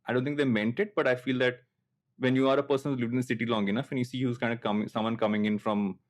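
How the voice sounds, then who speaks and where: A man's voice: mid-range voice, flat delivery, fast. A man in his late thirties with a Telugu Indian accent, talking casually and reflectively as a podcast host, anecdotal and self-deprecating. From coastal Andhra Pradesh, India. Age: late 30s.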